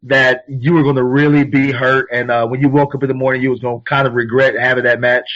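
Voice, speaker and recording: A man's voice: medium pitch, level tone, quick pace, fairly bright tone. Informal male interviewer, dull lo-fi sound. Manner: informal, wordy lead-ins to questions. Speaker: interviewer, show co-host. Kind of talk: casual conversational interview. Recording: dull lo-fi audio.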